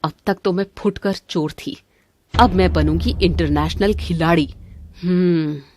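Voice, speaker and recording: A woman voicing a greedy, scheming middle-aged mother-in-law in an animated family cartoon, bossy and grumbling. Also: lowish voice, a little slow, a little hiss or hum, natural voice. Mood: vengeful.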